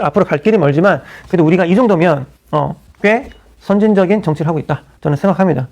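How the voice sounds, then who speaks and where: A middle-aged pastor from South Korea preaching in an animated, conversational way, full of asides and acted-out quotes. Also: male voice, high-pitched. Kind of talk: sermon.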